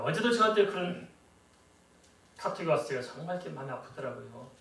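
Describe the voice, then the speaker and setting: A middle-aged man preaching a sermon as a pastor, talking conversationally and often asking the congregation rhetorical questions. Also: medium pitch. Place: church sanctuary. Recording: echoey church hall, voice from a distance.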